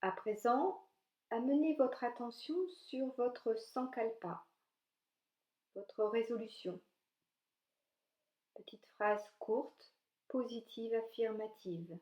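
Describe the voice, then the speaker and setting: A woman leading a guided yoga relaxation, speaking calmly and soothingly in short, gentle instructions with pauses between them. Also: fairly high pitch, muffled recording. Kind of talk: slow guided meditation narration.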